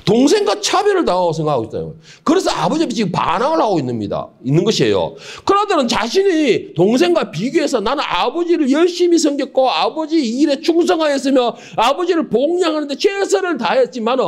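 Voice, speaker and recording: A middle-aged man preaching a sermon as pastor, asking the congregation rhetorical questions and stumbling over many filler words. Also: extremely high pitch.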